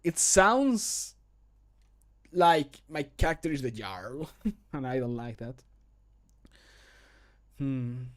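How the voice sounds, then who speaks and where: A man's voice: medium pitch, animated, extremely slow, long pauses, a bit bright. A man in his thirties chatting casually as he records voice lines, self-critical and joking as he thinks aloud. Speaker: streamer recording mod voice lines. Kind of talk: casual livestream chat. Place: small home room. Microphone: close desk microphone.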